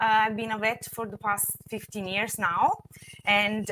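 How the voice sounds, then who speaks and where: A woman with an Italian accent speaks at a fairly slow pace, her fairly high pitch carrying a bright, sharp tone. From Italy. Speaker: veterinarian. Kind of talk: interview answer.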